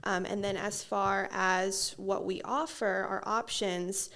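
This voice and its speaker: A woman's voice: medium pitch, fairly even intonation, takes it slowly, vocal fry, fairly bright tone. A woman who runs a small catering business, speaking as a guest on a podcast. She explains her offerings in a friendly, conversational way, with plenty of "um"s as she goes through her lists. Her voice sits in a middle range for a woman. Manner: friendly, frequent um fillers, lists things. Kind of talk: casual interview.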